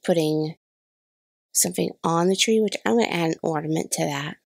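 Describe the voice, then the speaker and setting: A woman with a cold talks through her card-making steps in a relaxed, chatty voice-over. Her voice sits low, slightly nasal and gravelly with fry. The recording is dry and close, with no room sound. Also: brisk, no room sound. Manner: chatty, self-deprecating about mistakes. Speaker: card-making channel host. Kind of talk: casual crafting voice-over tutorial. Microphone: voice-over recorded separately.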